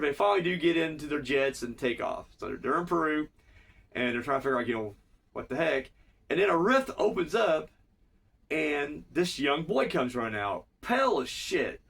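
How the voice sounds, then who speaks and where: A man's voice: on the high side, creaky, fairly bright tone, distant mic. A man with a cold recapping a cartoon episode in a rambling, profane, casual way. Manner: rambling, profane, filler-heavy. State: has a cold.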